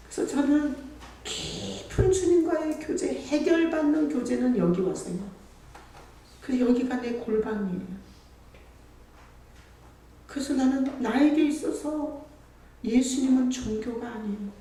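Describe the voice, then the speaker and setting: A woman's voice: on the high side, expressive, unhurried, pauses often, mellow. A woman pastor preaching a sermon in a conversational, emphatic way, speaking in a church sanctuary. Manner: conversational and emphatic, acting out prayers and quotes. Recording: very echoey, distant church recording.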